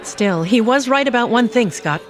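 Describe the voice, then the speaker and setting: An actress playing a caring, composed superheroine mentor, concerned and reassuring, in an audio drama. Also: female voice, fairly high pitch, animated, moderate pace, a crowd in the background, natural voice. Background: music.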